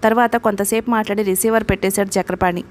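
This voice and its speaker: A woman narrating a novel as an audiobook, reading in a steady, even way. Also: medium pitch, fast talker, slight background noise.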